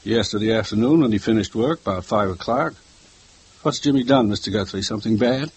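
An actor playing an older male jeweler, courteous and hesitant, who turns quietly vengeful, in a 1950s radio drama. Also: on the low side, fairly quick, breathy edge. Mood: courteous, fussy. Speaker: jeweler, murdered girl's father.

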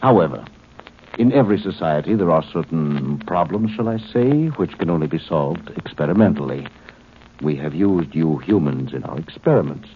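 Casting: lofty alien overlord in old radio sci-fi, deep voice, formal, patronizing, thin hissy sound. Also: male voice, lively intonation. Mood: condescending. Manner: formal, condescending, measured explanations. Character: coolly superior alien commander posing as a human man. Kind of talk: 1950s radio drama acting. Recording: tinny, noisy 1950s radio recording.

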